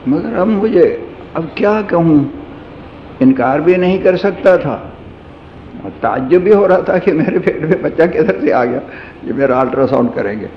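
A man's voice: on the high side, lively intonation, a little hiss or hum. A man giving a sermon, telling a humorous personal anecdote in a storytelling manner. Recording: echoey hall, dull lo-fi sound.

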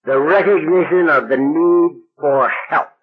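A man's voice: a little high, unhurried, slightly rough, narrow, tinny audio. An older man telling a recovery story to a meeting in a folksy, plain-spoken way, acting out the talk of the people in it.

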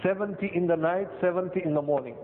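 A man with a South Asian accent giving a Muslim sermon, deliberate, in short phrases with pauses and repetition. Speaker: Muslim preacher. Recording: tinny band-limited echoey hall, rumbly noise.

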